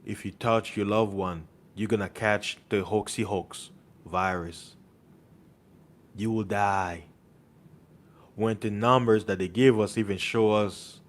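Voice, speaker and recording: Slow, low-voiced man preaching insistently. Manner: insistent, rhetorical questions, repeats words for emphasis. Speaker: online preacher. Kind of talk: impassioned monologue.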